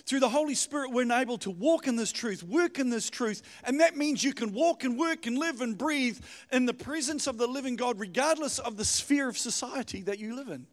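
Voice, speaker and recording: A man's voice: very high voice, brisk, few pauses. A middle-aged man preaches informally, urging his congregation and repeating phrases for emphasis. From New Zealand. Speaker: guest pastor. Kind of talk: sermon to a congregation. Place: church hall, speaking to congregation. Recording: reverberant hall sound.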